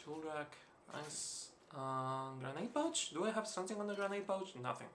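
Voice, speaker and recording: A man's voice: on the high side, animated, normal speed, a bit bright. A man from Spain with a mixed, Spanish-influenced accent, rambling through casual let's-play commentary, swearing freely and chuckling often. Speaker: gaming channel host. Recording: roomy echo, faint hiss.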